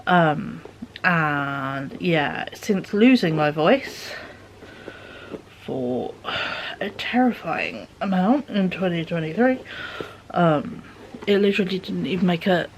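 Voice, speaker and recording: A woman's voice: fairly low pitch, lively intonation, takes it slowly, pauses often, slight background noise. A woman vlogging from home into a phone at arm's length, chatting in a rambling way with lots of fillers and dips into whispers, her voice sounding tired. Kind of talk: chatty vlog monologue.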